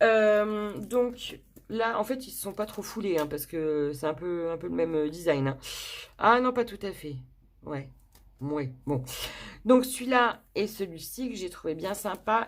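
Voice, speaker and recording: In a very clean recording with a silent background, a woman at a medium pitch speaks at a very slow pace with long, frequent pauses, big swings in loudness and very wide pitch swings. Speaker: crafting YouTuber. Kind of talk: product haul show-and-tell. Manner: casual, hesitant with many fillers.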